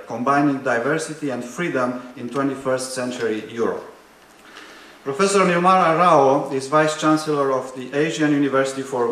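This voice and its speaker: Man from Romania, panel moderator, measured and hesitant delivery, mid pitch, echoey conference hall. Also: a bit bright. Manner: measured, hesitant with frequent fillers, dry humor. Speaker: higher education policy researcher. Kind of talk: academic panel introduction.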